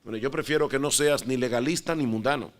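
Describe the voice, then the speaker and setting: A middle-aged man from the Dominican Republic with a Dominican Spanish accent, preaching a sermon in an earnest, measured way and praying softly. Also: medium pitch. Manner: earnest, measured preaching with soft, hushed prayer. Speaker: pastor.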